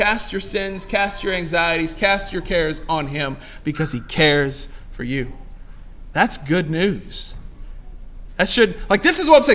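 Speaking at a fairly slow pace, a man uses a raised, projected voice with a bright, sharp, animated tone. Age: 40s. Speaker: pastor. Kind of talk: sermon. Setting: church.

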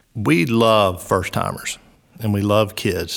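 In a Southern US accent, a man speaks at a fairly low pitch with monotone, flat intonation. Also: very clean recording, silent background. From South Georgia, raised in North Carolina from mid-teens. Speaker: recreation director at a resort. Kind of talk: interview answers.

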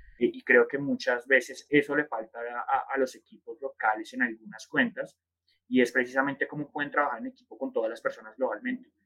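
The recording has a dry, close sound with no echo. In it, a man talks at a fairly quick pace. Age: 20s. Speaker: digital marketing manager. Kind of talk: interview.

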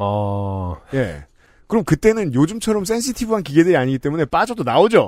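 In a very clean recording with a silent background, a man talks at a fairly quick pace, his fairly high pitch making very wide swings. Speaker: podcast co-host. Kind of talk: casual chat.

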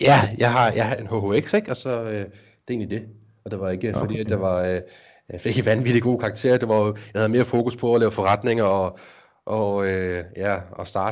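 The speech goes at a moderate pace with fairly even intonation. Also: man, fairly low pitch for a man. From Denmark, Køge. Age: 20s. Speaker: entrepreneur. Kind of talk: interview. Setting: studio. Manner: halting, many filler sounds.

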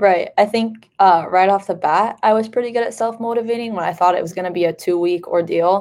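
A woman with a plain, everyday voice, fairly even intonation and a fairly quick pace with hardly any pauses. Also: medium pitch for a woman. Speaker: college soccer player. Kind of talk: casual interview.

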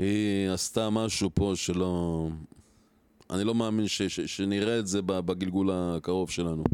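A man speaks at a fairly slow pace in a very deep, low pitch. His intonation is monotone and flat, and his loudness stays very even. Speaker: actor. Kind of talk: casual chat. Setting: studio.

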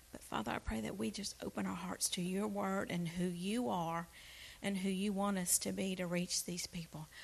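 Somewhat breathy, a woman speaks with fairly low pitch. Her pace is moderate and her intonation lively. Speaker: church member leading prayer. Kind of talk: prayer, calm and earnest.

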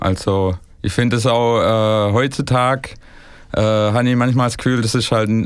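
A man speaks with a strong Swabian accent at a fairly slow pace. His pitch is medium, his intonation fairly even, and his loudness swings widely. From Swabia, Germany (Schorndorf). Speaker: musician. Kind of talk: casual chat.

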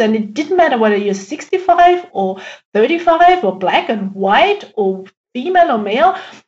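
Speaking at a moderate pace with a German accent, a woman uses a high pitch and very wide pitch swings. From Austria. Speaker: company executive. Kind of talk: interview.

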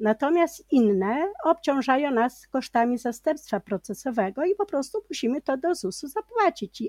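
In a dry, close sound with no echo and a quiet background, a woman speaks at a moderate pace, her high pitch moving in very wide swings. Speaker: retiree and activist. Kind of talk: interview. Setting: remote call.

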